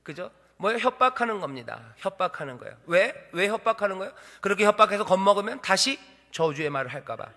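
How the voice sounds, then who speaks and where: Rhetorical questions pour out at a quick pace as a male pastor preaches an animated sermon to his congregation. His high voice has a bright ring, and the audio carries a church hall's long reverb.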